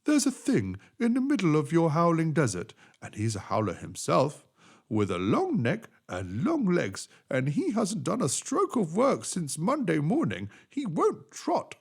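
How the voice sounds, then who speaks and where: A man voicing an earnest, indignant horse in a storybook, complaining in drawn-out phrases. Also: a little high, wildly swooping pitch, gravelly, husky, voice pushed up, exaggerated voice. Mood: indignant complaint.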